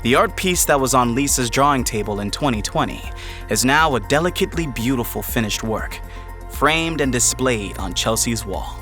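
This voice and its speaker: A man narrates an audio drama from a script. His voice is mid-pitched, bright and forceful, set over music. The delivery is that of a dramatic storyteller. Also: expressive, moderate pace.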